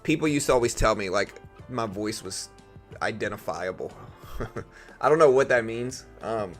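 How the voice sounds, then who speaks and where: A man with a raspy, fairly low voice hosts a casual live trading stream, speaking expressively at normal speed. He thinks out loud, asks his chat questions, and reads news aloud between loose asides while faint music plays behind him.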